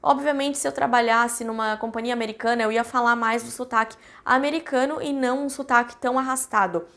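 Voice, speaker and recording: A woman's voice: on the high side, steady tone, brisk, a bit bright. A young woman from Brazil, a cruise ship crew member, chatting casually and directly to her viewers with lots of fillers.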